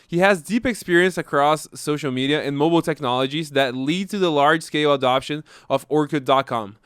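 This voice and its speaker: Fast, eager Brazilian podcast host, a man. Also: fairly high pitch, fairly bright tone, smooth, no room sound, studio quality. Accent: Brazilian Portuguese. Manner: enthusiastic, rambling questions with many likes and restarts. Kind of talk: podcast interview.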